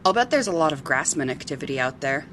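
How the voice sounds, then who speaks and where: A woman's voice: sits low, very animated, fast talker, fairly bright tone, slight background noise. A woman playing a friendly, inquisitive news reporter from Ohio in an amateur radio drama, chatty and polite. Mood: friendly, curious.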